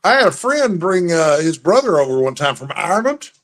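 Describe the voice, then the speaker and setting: A man's voice: a little high, big pitch swings, fairly quick, a bit bright. Joking man with East Texas drawl. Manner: boastful, joking. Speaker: guest. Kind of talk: casual chat.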